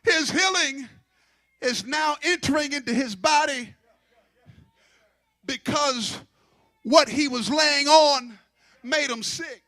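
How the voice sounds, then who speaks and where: A man's voice: extremely high pitch, slow pace, long pauses, sharp tone, dry recording. A man preaching a sermon into a pulpit microphone, building fervor and teasing the congregation to respond.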